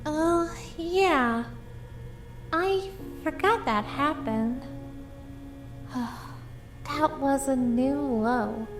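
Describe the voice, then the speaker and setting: A woman voicing a kindly, encouraging young female hedgehog in a cartoon audio drama, speaking earnestly. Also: high voice.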